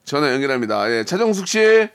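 High-voiced man hosting a game show. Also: very animated, fairly quick, fairly bright tone, clean tone, no room sound. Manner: casual, teasing, interjecting. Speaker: radio quiz show host.

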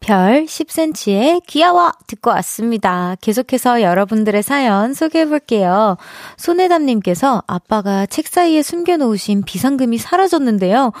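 A woman's voice: on the high side, very animated, moderate pace, few pauses, no room sound. Young female radio host, chatty, giggly, reads listener messages; dry studio mic. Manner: chatty, laughs often between stories.

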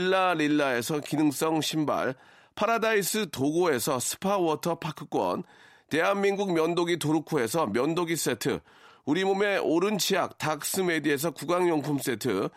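A man's voice: on the high side, dry recording, clean studio sound. Emphatic male radio host announcing prizes. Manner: emphatic prize-announcer delivery, mock-formal reporter address. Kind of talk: live phone-in hosting with prize giveaways.

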